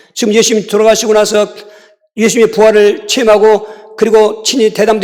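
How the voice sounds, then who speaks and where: Noticeable noise sits in the background. Over it, a man speaks with a high pitch. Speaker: pastor. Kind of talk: sermon. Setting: church. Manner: fast.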